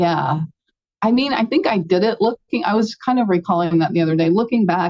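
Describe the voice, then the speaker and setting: A woman with a plain, everyday voice moves at a fairly quick pace with ordinary pitch variation. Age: 60s. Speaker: massage therapist. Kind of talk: interview.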